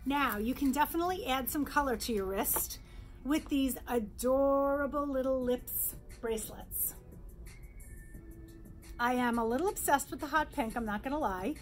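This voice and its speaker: Chatty saleswoman showing off jewelry. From New York. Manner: upbeat, chatty sales pitch, holds up pieces. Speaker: jewelry designer presenting her line. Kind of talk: virtual trade show product presentation. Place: indoor showroom with jewelry displays.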